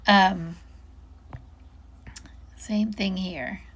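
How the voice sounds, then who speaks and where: A woman's voice: mid-range voice, steady tone, drawn-out words, a bit bright. A woman giving a casual, unscripted product walk-through, chatting and musing aloud as she goes, often interrupting herself.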